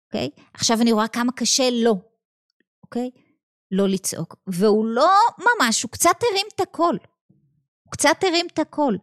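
An Israeli woman gives a lesson on a religious text and talks with lively energy, firing off rhetorical questions and checking in with her listeners. Her voice sits a bit high. The sound is close and dry, with no room around it. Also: no echo. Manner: animated, asks rhetorical questions, checks in with "okay?". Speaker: teacher of Jewish texts.

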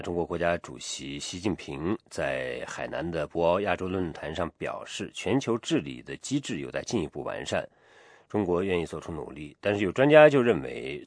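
Deep-voiced man reading breaking news. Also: no room sound, studio quality. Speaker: radio news anchor. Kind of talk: breaking news bulletin read in a radio newscast.

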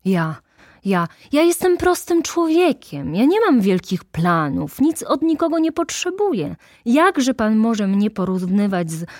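A woman reading an audiobook and voicing a young man who pleads, anguished, his voice climbing high with distress. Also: sing-song, slow, few pauses, darkish tone, dry recording, studio quality, full character voice. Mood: pleading. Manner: breathless, pitch climbing with distress. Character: young male devotee, frantic and pleading.

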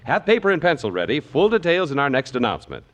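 A man's voice: on the high side, wildly swooping pitch, fast talker, fairly bright tone. A man announcing in the manner of a 1950s old-time radio announcer, with polished, emphatic sponsor reads on a vintage broadcast. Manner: emphatic, polished salesman delivery.

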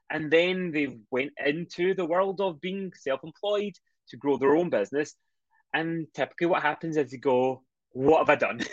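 A middle-aged man with a Scottish accent, a mindset coach speaking as a guest on a podcast, talking quickly and energetically as he explains. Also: on the high side, dry recording, muffled recording. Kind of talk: podcast interview.

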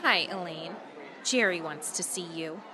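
A woman's voice: lowish voice, measured pace, crowd noise, background noise, natural voice. A woman playing a falsely sweet, menacing henchwoman in an audio drama. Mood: syrupy.

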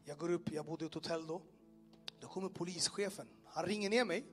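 High-voiced man telling a testimony. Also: faint music behind. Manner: animated storytelling with sound effects and direct questions to listeners. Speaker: speaker giving a personal testimony. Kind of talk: testimony told to a live audience. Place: in front of an audience in a room.

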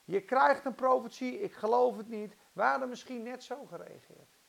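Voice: mid-range voice, normal speed, vocal fry, a bit bright. A preacher delivering an impassioned, dramatic sermon and acting out Bible stories.

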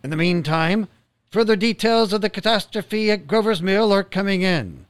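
A man's voice: sits high, moderate pace, clear, resonant tone, dry recording, lightly acted. A man playing an earnest radio news announcer, formally reporting a disaster in a radio drama. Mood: urgent, formal. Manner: formal, urgent, orderly.

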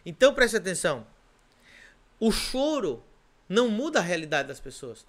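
A man's voice: sits high, very animated, normal speed, fairly bright tone. A Brazilian man, a pastor, preaching on a podcast in an emphatic way, repeating his points and firing off rhetorical questions. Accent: Brazilian Portuguese.

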